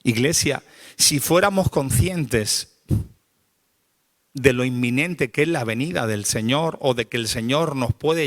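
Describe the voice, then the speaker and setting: A man's voice: medium pitch, fairly bright tone. Man preaching an emphatic sermon. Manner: repetitive, rhythmic calls to the congregation. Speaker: pastor.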